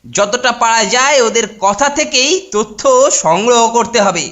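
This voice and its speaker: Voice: mid-range voice, lively intonation, moderate pace, lo-fi sound, lightly acted. An actor as a scheming cartoon boy detective. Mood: conspiratorial. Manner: boastful, conspiratorial. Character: scheming teenage boy, bumbling self-styled detective. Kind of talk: cartoon voice acting. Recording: music behind the voice. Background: cartoon background music.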